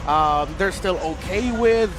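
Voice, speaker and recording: A man from the Philippines breaks down an esports match in a high voice, thinking aloud at a measured pace. Music plays loudly behind him. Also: crowd noise. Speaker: esports analyst. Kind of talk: esports desk analysis.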